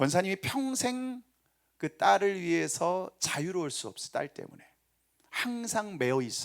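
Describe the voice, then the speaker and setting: A man speaks at a fairly slow pace in an animated tone, with big swings in loudness. His pitch is high and swings very widely. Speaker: pastor. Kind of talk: sermon. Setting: church.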